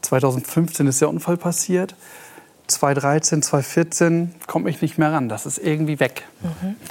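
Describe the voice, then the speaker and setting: A man with a fairly high pitch talks very slowly, his pitch varying in an ordinary way. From northern Germany, Bremen. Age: 30s. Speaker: car accident survivor with amnesia. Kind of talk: talk show interview. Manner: halting.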